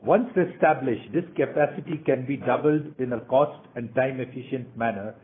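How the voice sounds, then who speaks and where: Playing a company executive, a man formally reads prepared remarks for an earnings call presentation. He speaks at medium pitch and moderate pace over a tinny, narrow phone conference line.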